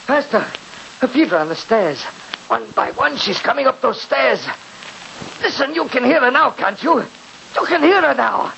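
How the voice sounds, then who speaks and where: A man's voice: high voice, wildly swooping pitch, measured pace, long pauses, bright, forceful tone, full character voice, low-quality recording. An actor playing a terrified man hearing his dead sister, frantic and pleading, in an old radio drama. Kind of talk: 1940s radio acting. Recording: old radio recording with hiss.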